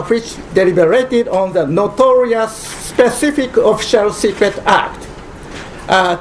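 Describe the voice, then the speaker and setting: A Japanese scholar speaking English at a press conference, measured and dryly ironic, with many "uh" pauses. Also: male voice, sits high, slight background noise, poor audio. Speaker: constitutional law professor at press conference. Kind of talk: prepared press statement. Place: press club conference room.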